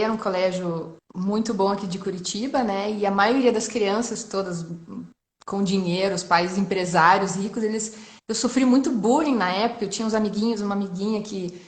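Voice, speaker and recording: A woman in her thirties from Brazil recounts a personal story with open emotion. She keeps checking in with her listener through little tag questions. Her voice sits at a middle pitch and carries a noticeable room echo. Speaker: entrepreneur guest sharing testimony. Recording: roomy echo.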